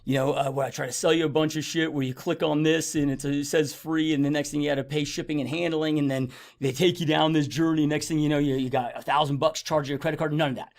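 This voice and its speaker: A man's voice: fairly high pitch, steady tone, fast talker, hardly any pauses. A man hosting a podcast, talking casually in an informal, slangy, buddy-like way. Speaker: podcast host. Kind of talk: casual podcast interview chat.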